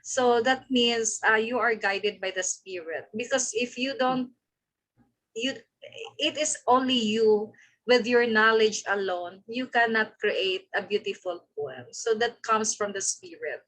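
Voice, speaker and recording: Slow-speaking earnest woman interviewer. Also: on the high side, a bit bright, rough recording. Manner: earnest, admiring questions with fillers.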